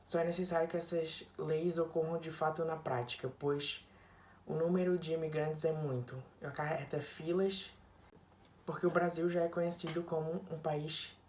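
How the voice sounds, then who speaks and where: A woman's voice: low voice, a little mellow. A woman reading a prepared presentation, stopping on slipped words and starting them again. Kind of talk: read-out presentation. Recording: distant, echoey room with faint noise.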